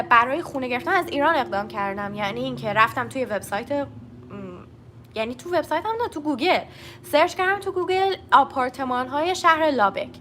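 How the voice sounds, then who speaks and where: Bright young woman teacher. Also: sits high, a little hiss or hum. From Iran. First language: Persian. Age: young adult. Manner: switches between English and Persian, reads out viewer questions. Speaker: English teacher answering live chat. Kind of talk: casual live-stream Q&A.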